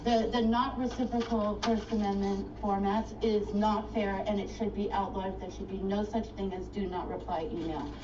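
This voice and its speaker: A woman's voice: medium pitch, fairly even intonation, normal speed, hardly any pauses. A woman filing her own case at a courthouse clerk's counter, complaining in an agitated, indignant rush. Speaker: self-represented litigant filing a case. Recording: echoey, distant, muffled and noisy.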